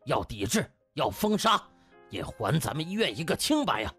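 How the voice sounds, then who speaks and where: A man plays an impatient male hospital administrator in an audiobook. He is agitated and pressing, with a husky voice that swings widely in pitch. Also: sing-song, normal speed, a bit bright, soft background music, full character voice. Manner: urgent, pressing.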